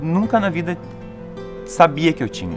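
Clear music plays in the background. A man talks at a moderate pace with a fairly high pitch. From Rio Grande do Sul, Brazil. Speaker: campaign testimonial speaker. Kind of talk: interview answer. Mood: earnest, emotional, reflective. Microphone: lapel.

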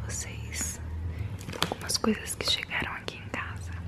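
Noticeable background noise behind a woman speaking at a fairly slow pace. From Brazil. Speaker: ASMR creator. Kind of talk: ASMR whispered show-and-tell of received gifts. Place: home room.

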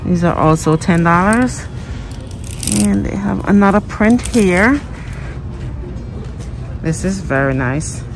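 At a very slow pace with long, frequent pauses, a woman speaks in a dry sound with no echo over light background noise. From Jamaica. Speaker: shopping haul vlogger. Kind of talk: casual shopping vlog narration. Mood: warm, pleased. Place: shop. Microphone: phone near.

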